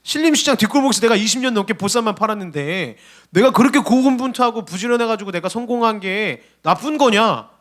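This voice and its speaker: Brief: man playing a fed-up middle-aged woman who owns a small eatery, loud high protest, raised voice. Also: lively intonation, fast. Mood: indignant. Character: indignant middle-aged woman restaurant founder.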